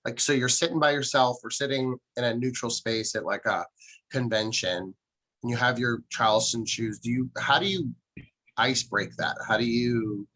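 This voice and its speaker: A man with a bright, forward voice and an average pitch hosts a casual interview. He talks informally, like a conversation between colleagues, recapping points and asking questions. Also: rough recording. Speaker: interviewer, host.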